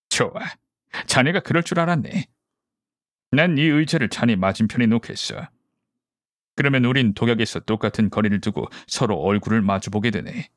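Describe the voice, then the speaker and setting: A man performs a brisk male detective from an audiobook mystery. He lays out deductions methodically and gives orders with assurance. The voice sits at a medium pitch in a dry, close sound. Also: no echo, close to an everyday voice. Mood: brisk, instructing. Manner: deductive, explanatory, commanding. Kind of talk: audiobook character dialogue.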